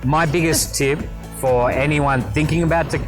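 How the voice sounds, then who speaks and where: A man's voice: on the high side, fairly even intonation, moderate pace. An Australian man chatting upbeat about travel tips in an interview, laughing easily. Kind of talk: casual interview answers. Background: background music.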